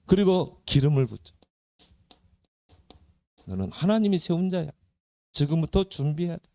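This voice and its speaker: Guy pastor preaching to youth group, chatty storyteller, keeps asking the kids questions, voice a bit high. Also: normal speed, vocal fry, dry recording. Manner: lively storytelling, acting out Bible characters; conversational preaching, asks listeners questions. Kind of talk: sermon to youth.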